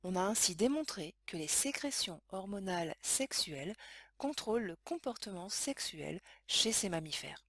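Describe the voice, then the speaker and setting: A woman reading scripted science lesson narration in a measured, explanatory way. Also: medium pitch, slightly rough, dry recording, studio quality. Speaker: educational narrator.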